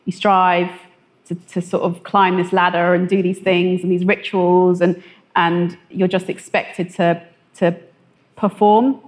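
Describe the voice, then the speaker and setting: A woman's voice: lowish voice, unhurried. Hesitant woman telling her story. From West London. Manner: hesitant, filler-heavy, animated when quoting others. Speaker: testimony guest. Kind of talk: conversational testimony.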